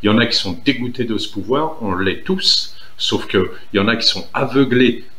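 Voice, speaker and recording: An Algerian political commentator whose first language is Algerian Arabic (Derja) gives a casual, earnest monologue, hesitating with many fillers and restarts. His mid-range voice is sharp-toned and reverberant, at a moderate pace.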